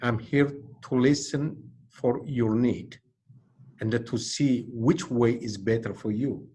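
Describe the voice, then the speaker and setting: A man's voice: medium pitch, slow pace, mellow, a little hiss or hum. A middle-aged man from Ethiopia with an Ethiopian accent, speaking earnestly and carefully about his work as an insurance agent in his second language. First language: Amharic or another Ethiopian language.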